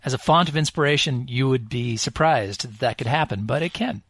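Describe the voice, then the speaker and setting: A man's voice: medium pitch, a little fast, a bit bright, breathy edge, no echo. A man playing a tabletop game, talking wryly through his moves as he goes. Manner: wry, talks through his moves aloud. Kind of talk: casual tabletop game chat.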